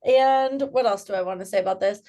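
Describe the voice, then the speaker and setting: A woman co-hosting a fitness show, explaining an exercise in an earnest, steady way. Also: mid-range voice, a little fast. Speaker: co-host and trainer. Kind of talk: casual exercise coaching.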